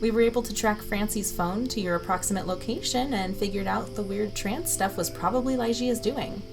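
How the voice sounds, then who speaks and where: A woman playing an excitable, caring young female psychic friend in an audio drama. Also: medium pitch, a little fast, creaky, over music, natural voice. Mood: relieved, upbeat.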